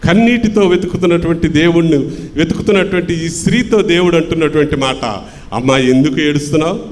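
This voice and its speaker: A man's voice: fairly high pitch, long reverb tail. A man preaching a sermon, repeating lines in a rhythmic cadence and posing rhetorical questions. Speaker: pastor. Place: church.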